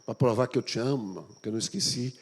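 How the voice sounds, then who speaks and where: A male pastor preaching a sermon, telling a story and acting out the dialogue in an animated way. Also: mid-range voice, fast talker, slightly rough. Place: church hall. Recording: long reverb of a large hall.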